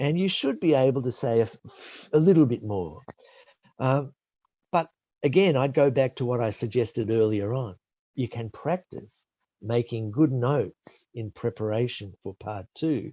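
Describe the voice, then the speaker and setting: Over a quiet background, a man with an Australian accent speaks at a moderate pace and medium pitch with a dark, mellow tone and lively intonation, the sound dry and close with no echo. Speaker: English test preparation expert. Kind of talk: live webinar Q&A. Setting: home video call. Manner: halting.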